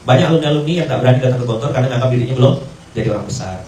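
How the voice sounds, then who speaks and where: A man's voice: mid-range voice, rapid-fire, darkish tone, slight background noise. A man preacher giving a conversational morning sermon, telling a story, acting out the quoted dialogue and mixing in Arabic and English phrases. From Indonesia. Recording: roomy, distant mic with faint ambience.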